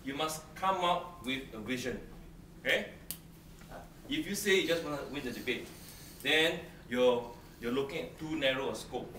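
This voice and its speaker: A middle-aged man from Singapore, giving a brisk classroom lecture on debating, teasing students and repeating his key points. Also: mid-range voice, lively intonation, bright, forceful tone. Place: large brick-walled seminar room. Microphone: far camera, no close mic. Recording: roomy, distant camera audio with room noise.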